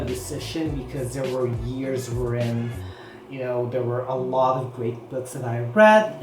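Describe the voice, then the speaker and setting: Darkish in tone and mid-range, the voice belongs to a book reviewer from the Philippines who speaks Filipino natively. She chats rambling to camera, frequently saying "you know" and "like", in an echoey room where music plays.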